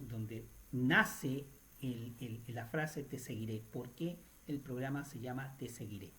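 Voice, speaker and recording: Male Catholic radio host telling stories. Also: medium pitch. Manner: adds tag questions like "right?", with restarts. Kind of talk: radio catechesis storytelling.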